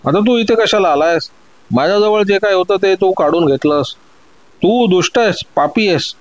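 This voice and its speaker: A woman's voice: medium pitch, lively intonation, moderate pace, no echo, lo-fi sound, voice pushed up, natural voice. A man voicing a poor young woman who is frightened and indignant, speaking in a raised, pleading tone. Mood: angry.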